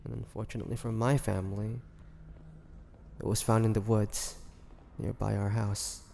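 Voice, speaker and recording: A man playing a melancholy half-vampire, confiding his past slowly and haltingly in a dramatic audio roleplay monologue. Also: lowish voice, little pitch movement, vocal fry, warm tone. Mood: somber. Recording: long reverberant hall, faint noise.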